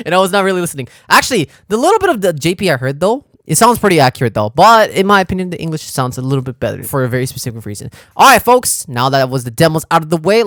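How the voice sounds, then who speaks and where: Animated, high-pitched man reacting. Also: dry recording, studio quality. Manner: slangy, exclamatory. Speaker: reaction video host. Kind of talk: casual reaction commentary on a game. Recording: music behind the voice. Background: game video music.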